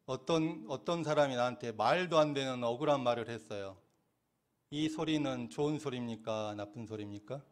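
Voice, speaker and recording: Male minister, middle-aged, mid-pitched. Delivers a questioning, conversational sermon. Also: moderate pace. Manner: asks questions and answers them himself, laughing now and then. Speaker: Won Buddhist minister.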